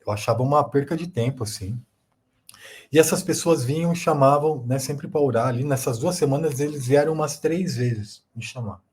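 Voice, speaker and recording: A man's voice: medium pitch, moderate pace, darkish tone, breathy edge. A Brazilian Portuguese-speaking man, a guest, telling a personal testimony in a rambling way with many fillers and repeated words.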